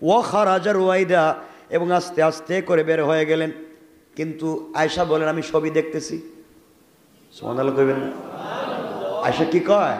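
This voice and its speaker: A man with a Bangladeshi Bengali accent preaching a storytelling sermon, calling out to the crowd and rising into loud cries. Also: a little high, fairly even intonation, a little fast, long pauses. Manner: calls out to the audience, swings to loud cries. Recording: echoey hall with long reverb.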